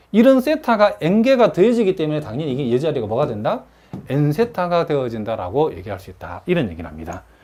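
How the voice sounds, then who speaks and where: Very fast and with very wide pitch swings, a man speaks in a fairly high voice with a dark, mellow tone. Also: big swings in loudness. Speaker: math lecturer. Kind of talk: lecture. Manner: serious.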